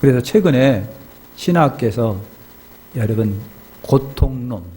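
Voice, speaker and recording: A man preaching a sermon in a church, telling anecdotes and acting out his congregants' distressed pleas in high crying voices. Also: lively intonation, measured pace, mellow, poor audio. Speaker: pastor. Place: church sanctuary.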